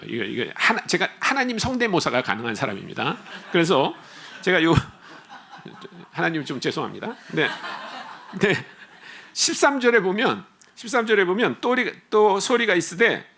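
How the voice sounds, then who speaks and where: A male guest missionary preaching a lively sermon, with a fairly high voice. His pitch swings widely as he jokes and chats with the congregation. The delivery is animated and playful throughout. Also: normal speed, vocal fry, a little hiss or hum. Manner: animated, humorous, chatty asides to the congregation.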